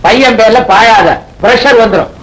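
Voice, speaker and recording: A stern elder who lectures and scolds in a high-pitched voice. He speaks firmly and directly to the person in front of him. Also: moderate pace, a bit bright, rough recording. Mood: scolding. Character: stern older man scolding a relative. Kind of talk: film comedy acting.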